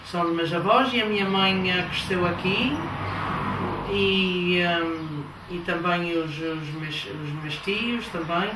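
A Canadian woman in her thirties, with a lowish voice, is a guest on a casual TV interview, giving eager, halting answers in the living room of a house. The interviewer holds a handheld microphone, so the sound is roomy and distant with faint background noise.

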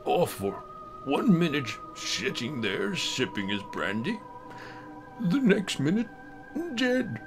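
Guy playing evil old doctor in a horror comic, super swoopy, slow n theatrical, music behind. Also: on the high side, big pitch swings. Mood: feigned grief. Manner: theatrical, drawn-out, sneering. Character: sneering, gloating old doctor who poisoned his friend. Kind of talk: dramatic horror comic reading.

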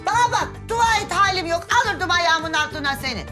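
An actress playing a brash, earthy middle-aged village matchmaker with a Black Sea Turkish accent, in a TV comedy. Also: female voice, very high voice, expressive, normal speed, pushed and bright, faint music behind, exaggerated voice. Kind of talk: TV comedy drama acting.

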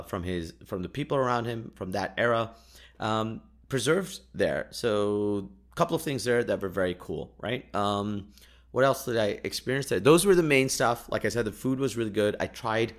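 A man with a fairly low voice and Urdu as his native language hosts a solo podcast. He talks casually, telling stories with wry, joking exaggeration. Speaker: podcast host. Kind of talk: casual storytelling monologue, travel anecdotes.

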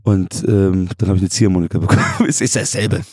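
Man, bavarian accent, rapid-fire delivery, slightly husky, dry close sound, laughing storyteller. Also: low voice, no room sound. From Germany. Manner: fast, animated storytelling, laughs often, many restarts. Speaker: podcast guest. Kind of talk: casual chat.

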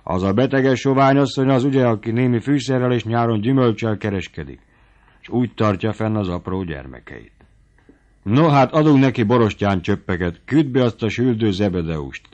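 A man voicing an irascible old country squire who barks orders in shouting tirades. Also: mid-range voice, lively intonation, lightly acted. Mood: gruff. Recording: dull lo-fi audiobook recording.

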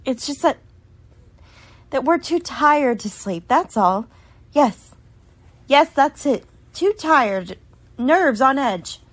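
Young woman acting, tense scolding college girl, radio suspense play, very animated high pitch, emphatic. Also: exaggerated voice. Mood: tired, dismissive. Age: young adult. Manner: halting, emphatic. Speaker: radio drama actor. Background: music.

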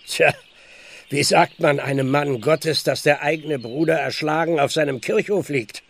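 An actor playing a weary, plain-spoken older village constable in a radio play, grumbling in a gravelly voice. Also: male voice, fairly high pitch, measured pace. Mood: worried. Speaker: actor in audio drama. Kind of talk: German radio play acting.

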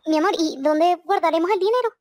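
Very high, girlish young wife, a woman acting. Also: fast talker. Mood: curious, calm. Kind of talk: improvised Minecraft roleplay.

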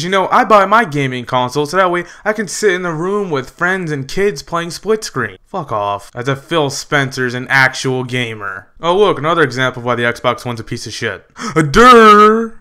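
A man rants angrily through a commentary video, full of sarcasm and swearing. His voice is bright and forceful, with a sharp edge that cuts through. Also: mid-range voice. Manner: angry, sarcastic and profane. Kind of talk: ranting commentary.

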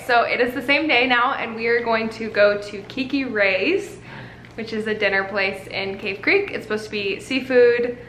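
A woman's voice: on the high side, moderate pace. A young woman vlogging at arm's length, chatting upbeat about food and places. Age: young adult. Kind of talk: casual chat. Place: car and home. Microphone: camera held at arm's length. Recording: noisy phone vlog audio.

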